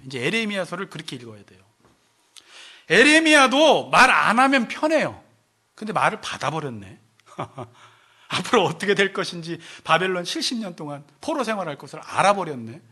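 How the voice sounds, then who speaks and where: A male pastor preaching in a church with a very high, bright and sharp voice. He talks animatedly and acts out the voices he quotes. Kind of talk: sermon. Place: church sanctuary.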